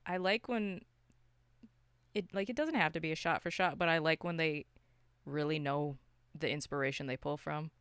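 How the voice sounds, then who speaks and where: A podcast co-host from Canada with a clear, smooth voice, recorded close and dry. The talk is casual and slangy, with opinions given freely. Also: medium pitch, moderate pace, pauses often, a bit bright, no room sound. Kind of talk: casual chat about movies.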